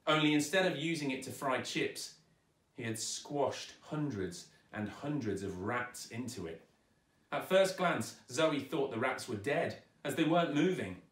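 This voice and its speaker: A man narrating a children's story aloud with dramatic, expressive delivery, recorded in a roomy space at some distance. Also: mid-range voice, unhurried. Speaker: storyteller, actor reading aloud. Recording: roomy echo, distant microphone.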